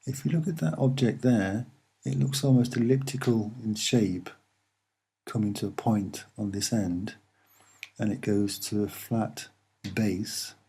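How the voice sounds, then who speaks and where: A soft-spoken man with a slightly husky voice, presenting and explaining images in an unhurried, earnest way with hesitant pauses. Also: lowish voice. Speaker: online video presenter.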